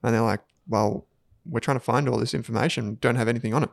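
A man co-hosting a finance podcast, talking in a relaxed, conversational way. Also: medium pitch, quick pace, vocal fry, no room sound, clean studio sound. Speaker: podcast co-host. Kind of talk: casual finance podcast chat.

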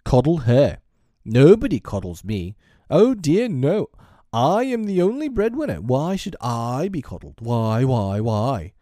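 A man's voice: medium pitch, sing-song, moderate pace, warm tone, no echo, studio quality, pitched above the performer's own voice. A man voicing a blustering, petulant middle-aged father in a storybook, bombastic and full of wounded pride. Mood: bitter roaring. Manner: bombastic, wounded, prone to roaring.

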